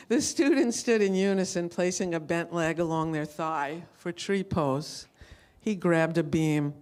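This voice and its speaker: A woman's voice: low-pitched, a little mellow. A woman reading literary prose aloud at a live event, as an author who adds informal asides. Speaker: author reading from own novel.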